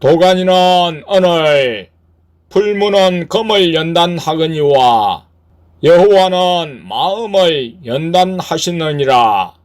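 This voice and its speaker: A man's voice: a little high, expressive, pitched above the performer's own voice. A man voicing a solemn, stately Jesus. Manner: stately, measured. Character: solemn commanding male Jesus.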